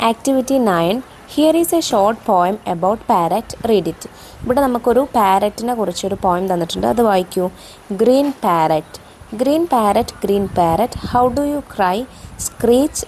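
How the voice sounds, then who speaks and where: A woman teacher with a Malayali accent explaining a textbook, reading English lines slowly and then explaining them. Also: mid-range voice, a little mellow, slight background noise.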